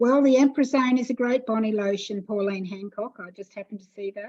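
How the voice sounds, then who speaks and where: A woman's dark, mellow tone at a fairly quick pace, with fairly even intonation and a dry, close sound with no echo. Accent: Australian. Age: 70s. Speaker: nutrition and skincare consultant. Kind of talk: interview.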